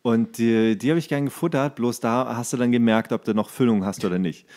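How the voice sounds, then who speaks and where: A man's voice: mid-range voice, fairly quick, darkish tone. Jokey man in casual podcast banter. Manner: jokey, anecdotal, rambling. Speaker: podcast co-host.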